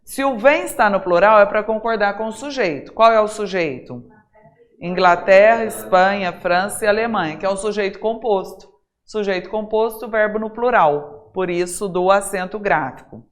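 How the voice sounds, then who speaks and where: A Brazilian woman teaching an exam-prep Portuguese lesson, talking straight to her students with many rhetorical questions and slowly stressing key words. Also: mid-range voice. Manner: stresses single words by saying them slowly and loudly. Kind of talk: recorded classroom lesson.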